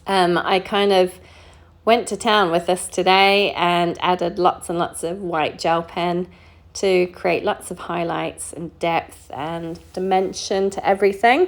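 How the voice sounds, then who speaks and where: Middle-aged New woman, low-pitched, relaxed chatty crafter voice-over, easygoing. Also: slow pace, creaky. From New Zealand. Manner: chatty and relaxed, with frequent ums and small laughs. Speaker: card-making crafter. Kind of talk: casual voice-over narration while colouring. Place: home craft desk.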